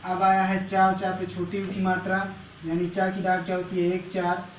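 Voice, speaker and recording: Man teaching a class, high voice, repeats every question and answer, echoey room, heard from a distance, faint hiss. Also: completely flat delivery, moderate pace. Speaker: Braille teacher. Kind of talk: classroom lesson.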